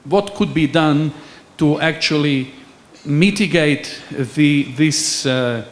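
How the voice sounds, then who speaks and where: Man asking a question. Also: a little high. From Bosnia. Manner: measured, searching for words. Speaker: audience member asking a question. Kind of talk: forum question from the floor.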